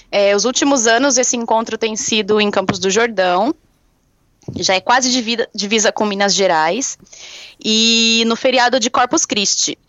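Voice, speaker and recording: A woman guest chatting casually on a podcast, cheerful, laughing often and sharing her news with excitement. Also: fairly high pitch, no room sound. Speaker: guest, touring cyclist. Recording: dry, dull lo-fi sound.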